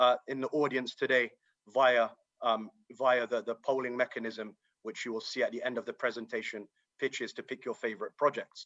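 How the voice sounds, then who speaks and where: At a fairly quick pace, a man with a medium pitch speaks with monotone, flat intonation, the sound dry and close with no echo. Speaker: think tank expert and forum moderator. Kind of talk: conference moderation. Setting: online conference. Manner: fast.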